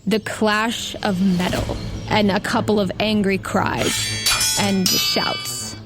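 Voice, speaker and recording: A woman's voice: medium pitch, flat delivery, slow pace, loud music behind the voice. Woman narrating a tabletop game informally. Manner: informal, conversational storytelling. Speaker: game master.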